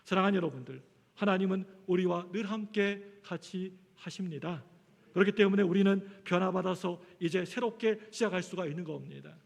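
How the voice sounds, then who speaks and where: A man preaching in a church, his voice high for a man and gravelly at the edges. He speaks earnestly and presses into emphatic appeals. The long reverb of the sanctuary trails after each phrase. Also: moderate pace. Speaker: pastor. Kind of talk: sermon. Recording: echoey church hall.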